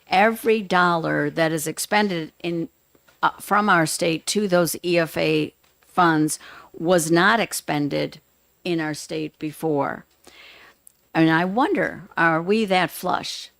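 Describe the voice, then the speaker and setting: A retired woman educator testifies at a public hearing in a fairly low voice. She speaks in a measured, earnest way, and the recording is dry and close, with no room echo. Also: creaky, fairly bright tone. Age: older.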